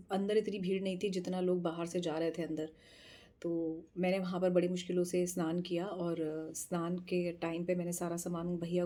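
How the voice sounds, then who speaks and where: A woman vlogger casually recounting a travel adventure, animated and laughing often, slipping English phrases into her talk. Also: lowish voice. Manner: mixes English phrases into speech. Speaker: tarot channel host.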